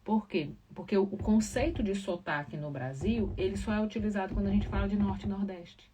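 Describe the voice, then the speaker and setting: A woman from Ceará with a Cearense accent, a journalist explaining on a podcast with carefully trained, clearly articulated diction. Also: mid-range voice, fairly quick, mellow, distant mic, a little hiss or hum. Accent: Cearense Brazilian Portuguese. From Ceará, Brazil. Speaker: journalist, podcast guest speaker.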